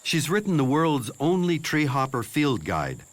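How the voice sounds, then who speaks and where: A man delivering scripted nature documentary narration in a measured, explanatory way. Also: mid-range voice, very animated.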